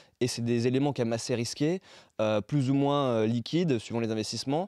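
The very clean recording, silent in the background and dry and close with no echo, carries speech at a moderate pace with ordinary pitch variation. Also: man. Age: 20s. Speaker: crypto entrepreneur. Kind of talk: casual chat. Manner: halting.

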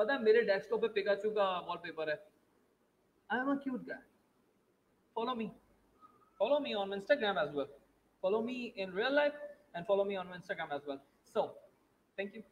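With a Pakistani accent, a man speaks at a high pitch and a fairly quick pace, broken by long, frequent pauses, over light background noise. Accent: Pakistani Urdu. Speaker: pro wrestler and stand-in live stream host; guest. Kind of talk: casual live stream chat. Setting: online live stream from laptop. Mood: joking, playful. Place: home room. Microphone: video call.

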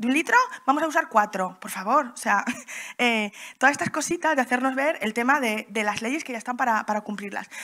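The voice is bright and sharp, with lively intonation and big swings in loudness. It moves at a fairly quick pace over a quiet background. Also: woman. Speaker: regional government climate official; panelist. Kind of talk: conference talk. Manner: fast. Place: hall. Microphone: handheld.

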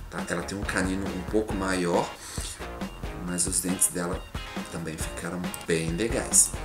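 Over clear music in the background, a man speaks at a fairly slow pace in a very deep, low pitch. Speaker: vlogger. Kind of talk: casual vlog chat. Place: home room.

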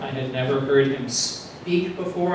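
A man's voice, with ordinary pitch variation, comes through noticeable background noise and audible room echo. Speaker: pastor giving a talk. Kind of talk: lecture. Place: hall.

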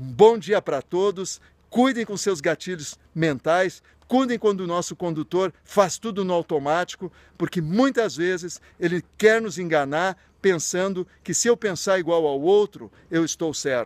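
A man's high voice at a fairly slow pace, dry with no echo, against a quiet background. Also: ordinary pitch variation. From Brazil. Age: 50s. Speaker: entrepreneur and self-leadership educator; self-leadership educator. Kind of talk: educational vlog monologue. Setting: leaving the gym. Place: garden. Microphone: phone near.

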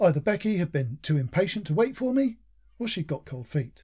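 A man's dark, mellow voice with very wide pitch swings, at a moderate pace over a quiet background. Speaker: channel host. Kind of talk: personal storytelling to camera.

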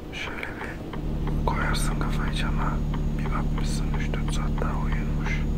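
Very slow whispering from a man. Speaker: ASMR gaming content creator. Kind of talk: casual chatty gameplay commentary to camera. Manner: soft whispered close-mic ASMR delivery. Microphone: studio mic.

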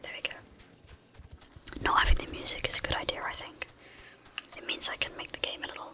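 A woman whispering at a very fast pace, with long, frequent pauses and big swings in loudness. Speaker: ASMR YouTuber. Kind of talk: casual talk to camera. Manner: whispered, soft-spoken, relaxing. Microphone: studio mic.

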